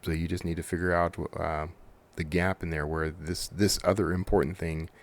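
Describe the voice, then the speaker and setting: A man's voice: sits low, level tone, normal speed. A man hosting a podcast, talking in a casual, conversational monologue that wanders into asides. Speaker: podcast host; author.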